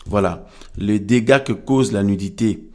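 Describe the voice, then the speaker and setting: A man preaching a sermon, teaching from scripture in a halting way and repeating phrases for emphasis. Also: lowish voice, darkish tone. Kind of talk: French-language evangelical sermon, teaching from Bible verses. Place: room with some resonance.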